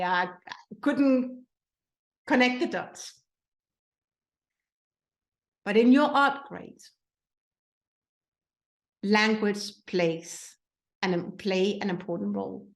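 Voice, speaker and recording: Slow-talking Danish woman coach. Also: medium pitch, echoey room. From Denmark. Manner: coaching, asks the listener many rhetorical questions. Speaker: mindset coach and podcast host. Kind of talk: motivational talk to listeners.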